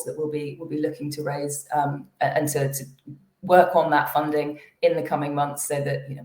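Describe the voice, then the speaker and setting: Female exec, deep voice, halting delivery full of ums, slightly hoarse, roomy video-call sound. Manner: hesitant, many fillers and restarts. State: losing her voice. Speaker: company executive presenting to investors. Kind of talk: investor presentation and Q&A.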